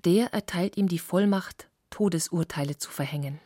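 A woman narrating a historical documentary in a measured, sober scripted voice. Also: lowish voice, very noisy.

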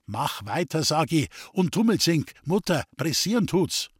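A man voicing a hot-tempered young farmer's son who talks in Bavarian dialect, urgent and hoarse as he barks orders. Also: fairly high pitch, expressive, moderate pace, no echo, clean studio sound, voice pushed up. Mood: commanding. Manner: urgent, commanding, hoarse shouting.

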